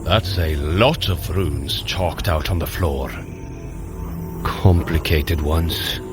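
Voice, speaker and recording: An actor playing an earnest, blunt, rather slow-witted warrior god in a fantasy audio drama. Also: male voice, very deep voice, loud music behind the voice. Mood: baffled.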